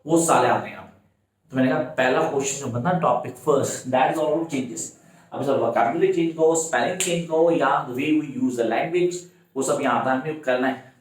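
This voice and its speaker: The recording is distant and heavily echoed, capturing a man of medium pitch with an Indian English accent. He moves briskly through exam preparation, addressing his students directly and supplying answers to his own questions.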